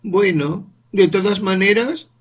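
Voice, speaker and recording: In this storybook, an insistent young boy fires off question after question, his voice pitched well up and rough with breath, as a man reads him. He is curious and stubborn, never content with an answer. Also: slow pace, exaggerated voice. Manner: eager questioning, rising pitch. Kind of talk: audiobook character reading.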